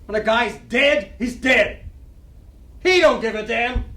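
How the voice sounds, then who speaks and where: A man's voice: very high-pitched, slow pace, a bit bright, exaggerated voice. A man playing a boastful, down-on-his-luck small-time New York gambler in a play reading, with an American accent and slangy, wistful talk. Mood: bitter grief. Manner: slangy, wisecracking. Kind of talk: staged dramatic reading of a play. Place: library reading room. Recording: distant mic, echoey room, noisy.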